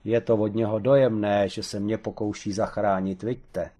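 A man voicing a proud, domineering former strongwoman wrestler who talks loudly and haughtily. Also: steady tone, close to an everyday voice. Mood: haughty. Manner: booming, haughty, matter-of-fact about cruelty.

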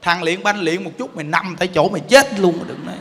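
A Buddhist teacher with a Southern Vietnamese accent gives a sermon in a high, gravelly, pushed and bright voice at a quick pace. He's emphatic and playful, often posing rhetorical questions, with long hall reverb and a little hiss or hum in the audio.

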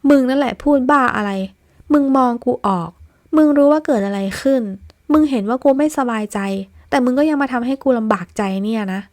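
A woman's voice: mid-range voice, fairly even intonation, fairly quick, warm tone, natural voice. A woman voicing a young man who is the hero's close friend, talking curtly with casual swearing. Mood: heated. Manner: curt, swearing, heated.

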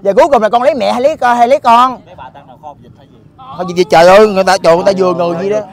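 A man with a strikingly high-pitched voice trades jokes with his friends. His talk is campy and playful, quick to echo a punchline. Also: steady tone. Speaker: comedian in a group. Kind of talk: teasing casual banter. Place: outdoors at a park.

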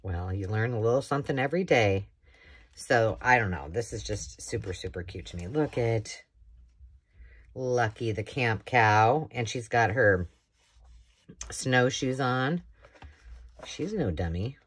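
A woman's voice: very deep voice, animated, measured pace, pauses often, husky. A woman hosting a casual show-and-tell of thrifted books, chatty and rambling with enthusiastic asides, filmed indoors at a craft table. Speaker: craft channel host.

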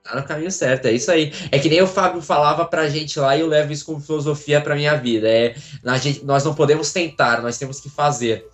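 A man's voice: a little high, fast talker, hardly any pauses, a bit bright, soft background music. Earnest young Brazilian man, roomy call audio. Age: 20s. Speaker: interview guest, aspiring voice actor. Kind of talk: casual chat. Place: small plain room at home. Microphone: phone on a video call.

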